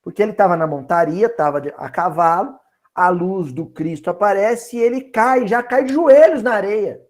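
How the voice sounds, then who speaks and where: A man with a Minas Gerais Brazilian accent giving an expressive Bible study talk. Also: high voice. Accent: Minas Gerais Brazilian Portuguese. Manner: animated and expressive, slow and emphatic. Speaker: spiritist Bible study speaker.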